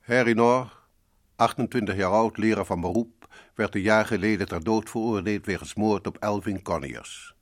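An actor playing a sinister, theatrical host in black, narrating a radio horror series in an ominous, deliberate way. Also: male voice, lowish voice, close to an everyday voice. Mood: grave, emphatic. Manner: ominous, deliberate, sometimes sinking to hushed tones. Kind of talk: dramatic scripted radio narration.

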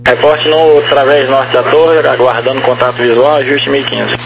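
A man's voice: medium pitch, fairly even intonation, normal speed, vocal fry, muffled recording. A man giving procedural air traffic control instructions over aviation radio. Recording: noisy radio with mains hum.

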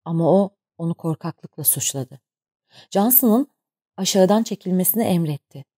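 Audiobook narrator, woman, steady and measured, mellow warm tone. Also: fairly low pitch, slightly rough, dry recording, studio quality. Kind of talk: scripted narration.

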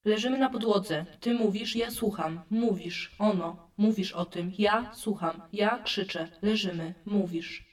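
A woman's voice: mid-range voice, a little slow, few pauses, recorded from a distance. A woman giving a scripted reading of literary texts.

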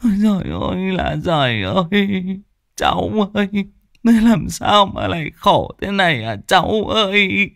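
A man's voice: high voice, sing-song, a little slow, gravelly, a bit bright, dry recording, studio quality, voice pushed up, full character voice. A man voicing a distressed village woman who wails and laments. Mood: wailing. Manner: wailing, lamenting. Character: middle-aged village woman, wailing in distress.

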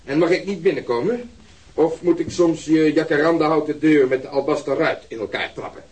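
A blunt police detective with a husky, breathy edge,. He is impatient and sarcastic. His lines come fast and mocking. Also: fairly high pitch. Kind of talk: radio play acting.

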